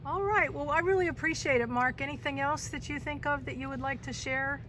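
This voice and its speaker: Woman, high voice, chatty vlog interviewer, exclaiming, faint vehicle noise behind. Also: fairly quick, fairly bright tone. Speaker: vlogger interviewer. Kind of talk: casual on-camera interview chat.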